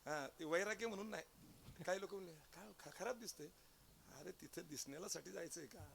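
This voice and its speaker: A man speaks in a high, gravelly, slightly bright voice at a fairly quick pace, with a little hiss or hum audible. He is a Marathi-accented kirtan preacher whose devotional sermon features a funny story, acted-out dialogue, and outbursts of chanting.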